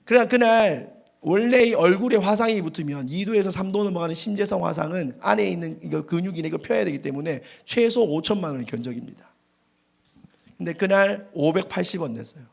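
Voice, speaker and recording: A male pastor delivers a revival sermon in a church. His voice sits high with a gravelly edge and leaps up and down as he acts out his stories. The telling is animated and dramatic. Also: fairly quick. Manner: animated storytelling with dramatic acted quotes.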